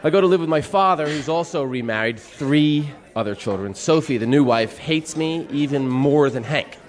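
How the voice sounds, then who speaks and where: An actor playing a nervous, smitten young man on a first date in a radio play, talking in halting, self-deprecating rambles. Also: fairly high pitch, animated, lightly acted. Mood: rambling.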